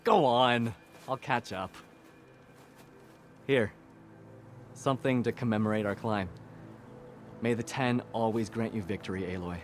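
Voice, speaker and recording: An actor playing an earnest, honorable tribal warrior in a video game, formal and sincere. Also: male voice, fairly low pitch, steady tone, a little slow, pauses often, soft background music, close to an everyday voice. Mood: sincere, fond. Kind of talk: video game cutscene acting.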